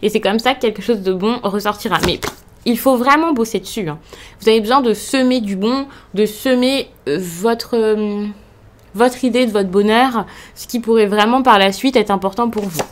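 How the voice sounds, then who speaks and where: The recording, which carries a little hiss or hum, features a French woman of medium pitch talking at normal speed. She's a tarot card reader doing a relaxed reading to camera, comforting in tone yet hesitant, often restarting and using fillers.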